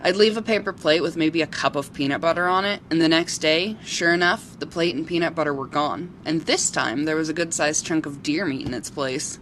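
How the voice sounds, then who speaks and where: A woman playing a kindly local who befriends forest creatures in an audio drama, talking in a gentle, earnest, storytelling way. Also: deep voice, brisk, hardly any pauses, a little hiss or hum. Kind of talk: amateur audio drama acting.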